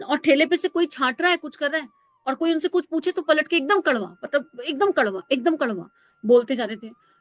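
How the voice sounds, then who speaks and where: A woman spiritual counsellor giving a devotional talk, telling stories in an animated way and mixing in English words. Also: high-pitched, no room sound.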